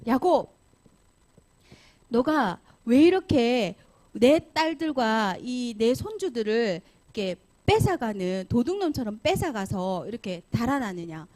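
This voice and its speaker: Lady acting out a mad old uncle yelling and scolding, story voice for kids, swings all over in pitch. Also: animated, normal speed. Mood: furious. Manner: shouting, scolding. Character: angry older man, a scheming uncle.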